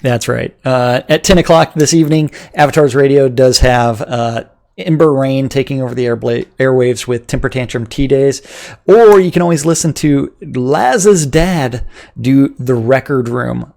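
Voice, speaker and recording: Gravelly chatty man reading sponsors. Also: mid-range voice, steady tone, normal speed, a little mellow. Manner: rambling, laughs often, stammering restarts. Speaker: co-host reading community calendar and sponsors. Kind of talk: casual livestream chat.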